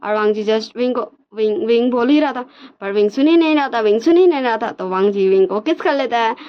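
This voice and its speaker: A woman's voice: on the high side, lively intonation, brisk. Chatty woman retelling a story. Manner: chatty, informal narration. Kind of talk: casual retelling of her fan fiction. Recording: dull lo-fi recording.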